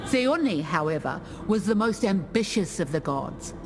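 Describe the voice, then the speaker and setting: An actress playing an earnest tribal storyteller in a video game, recounting myths of the gods in a measured, formal way. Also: female voice, fairly low pitch, animated, background noise. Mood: reverent, storytelling. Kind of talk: video game character lore monologue. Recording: music behind the voice.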